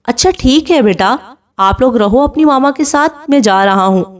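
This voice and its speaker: A woman voicing a gentle young father who speaks softly and coaxingly to his children in a storybook reading. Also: sits high, expressive, pitched above the performer's own voice. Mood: tender.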